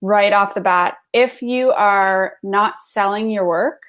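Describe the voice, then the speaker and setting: Woman host for a live video chat, easygoing and talky, middle pitch. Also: slow pace, fairly bright tone. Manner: chatty, filler-heavy. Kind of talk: casual live video interview.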